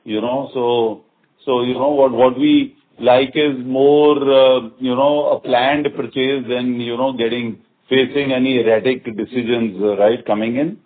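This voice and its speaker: Indian executive on a muffled phone line. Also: male voice, mid-range voice, fairly even intonation. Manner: halting, repeats phrases while thinking. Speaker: company executive on an earnings call. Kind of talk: business question-and-answer, semi-formal. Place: conference call.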